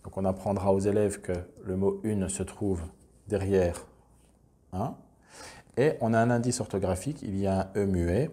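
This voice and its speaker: Homme calme, voix grave et douce, qui explique pas à pas. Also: male voice, low-pitched, moderate pace. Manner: calm, step-by-step, explanatory. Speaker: teacher explaining a reading method. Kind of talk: instructional demonstration.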